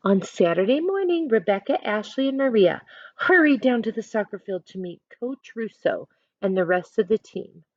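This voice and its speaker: A woman reads a children's storybook in a slow, lively, swooping voice with some gravel in it. She steps out of the story to explain things in simple words, speaking straight to young listeners as a teacher would. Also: mid-range voice, no echo, lo-fi sound. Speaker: teacher reading aloud to children. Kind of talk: animated picture-book read-aloud with teaching asides.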